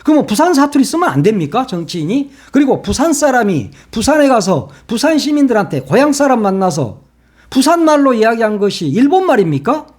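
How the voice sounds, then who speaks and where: A man's voice: extremely high pitch, very animated, a little fast, a little mellow. A man hosting his own political commentary channel, talking casually in a mocking, sarcastic way and laughing at his own jokes.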